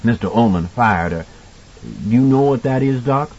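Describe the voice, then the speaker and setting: A man voicing a kindly older hotel cook in an audiobook, folksy and earnest as he gently cautions a child. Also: mid-range voice, animated, moderate pace, slightly rough, highs cut off. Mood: grave, cautioning. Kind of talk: audiobook character dialogue.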